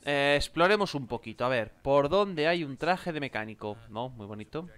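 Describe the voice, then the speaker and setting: Animated young Spaniard giving gameplay commentary. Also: male voice, fairly high pitch, normal speed, clear, resonant tone. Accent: Spain Spanish. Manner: exclaims, self-mocking, improvises joking chatter with game characters. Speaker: gameplay video creator.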